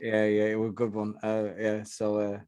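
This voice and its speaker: A middle-aged or older man hosting a casual podcast chat in a halting, repetitive way, with slightly slurred speech as if from loose dentures. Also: on the low side, monotone, darkish tone, clear, resonant tone, no echo. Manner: halting, repeats and restarts phrases. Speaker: podcast host.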